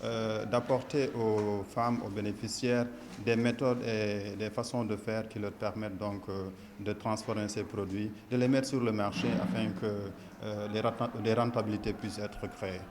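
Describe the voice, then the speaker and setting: Guy translating on the spot, lots of um pauses, loud noise behind. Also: on the low side, little pitch movement. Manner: hesitant, many fillers. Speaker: interpreter. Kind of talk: live interpreting.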